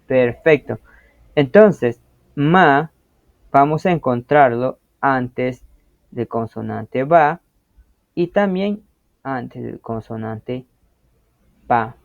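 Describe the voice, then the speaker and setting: A man's voice: mid-range voice, expressive, extremely slow, gravelly, long pauses, dry recording, muffled recording. A man teaching an interactive language lesson, patiently explaining and often checking that students follow.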